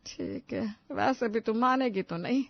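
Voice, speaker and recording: A woman voicing a dramatic, complaining elderly mother-in-law in an animated story, wailing and melodramatic. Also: on the high side, unhurried, creaky, dry recording, dull audio. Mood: weary.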